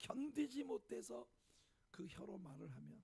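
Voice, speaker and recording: A man speaks at a fairly slow pace. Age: 60s. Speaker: pastor. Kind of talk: sermon.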